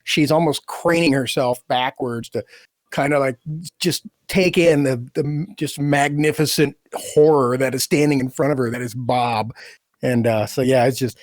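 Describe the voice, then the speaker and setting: A man's voice: medium pitch, moderate pace, no room sound. A man chatting casually and effusively, telling stories and acting out reactions as he goes. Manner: effusive, animated storytelling, quoting reactions. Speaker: audio drama producer and sound editor. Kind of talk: casual chat.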